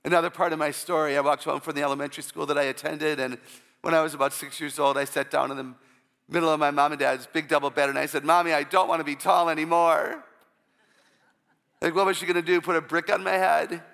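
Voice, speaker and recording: A woman with a low voice, often taken for a man's, giving an inspirational church talk full of humorous personal stories and call-outs to the audience. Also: steady tone, fast talker, vocal fry, a bit bright, long reverb tail. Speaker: Christian speaker.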